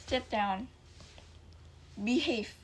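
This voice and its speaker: A woman's voice: a little high, drawn-out words. A woman voicing a strict mother giving her child firm, clipped commands, over a noisy mic.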